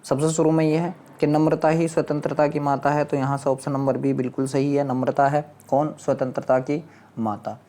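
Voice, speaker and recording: A man's voice: a little high, flat delivery, normal speed, mellow. A man teaching exam questions, reading them out and explaining answers step by step in a repetitive way with frequent check-in tags. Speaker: exam-prep Hindi teacher. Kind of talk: lesson, reading out and solving quiz questions.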